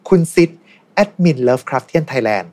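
A man's voice: mid-range voice, expressive, takes it slowly, warm tone. A man hosting a casual podcast, introducing his guest and answering with short replies. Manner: friendly, brief backchannel replies. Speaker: host.

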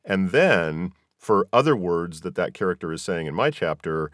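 A man with a deep voice hosts an interview in a conversational style. His recording is dry, with hardly any room sound. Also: lively intonation, moderate pace, no room sound. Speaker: podcast host, audiobook narrator.

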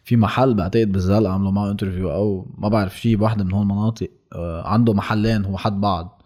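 A man's voice: on the low side, steady tone, racing, warm tone. A man with a Lebanese Arabic accent chatting casually, telling anecdotes and throwing in rhetorical questions.

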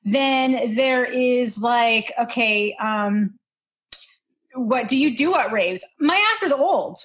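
Woman, 20s, podcast guest; loose rambling chat, higher pitch. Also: slow pace. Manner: rambling, self-interrupting, laughing. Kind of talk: casual chat.

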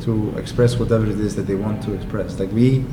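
A middle-aged man whose first language is Icelandic, a guest speaking in a casual interview. He has a relaxed, wry, self-deprecating way of talking. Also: on the low side, brisk. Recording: roomy, with clear ambient background noise.

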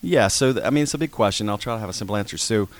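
A man's voice: fairly low pitch, expressive, very fast, no echo. A middle-aged man from Georgia, a guest in a radio studio, talking in a folksy, rambling way with many self-corrections. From Georgia, USA. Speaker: orthodontist guest. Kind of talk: casual radio interview. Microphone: studio mic with headphones.

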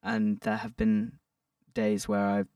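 A man's voice: medium pitch, sing-song, slow, gravelly, a little mellow, clear, resonant tone, no echo, distant mic, highs cut off. A man, a guest actor, chatting casually on a podcast, laughing often.

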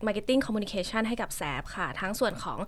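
A woman's voice: mid-range voice, normal speed, a little hiss or hum. A woman guest on a podcast, speaking in a joking, easygoing way. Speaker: guest, marketing communications head. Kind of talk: casual podcast conversation.

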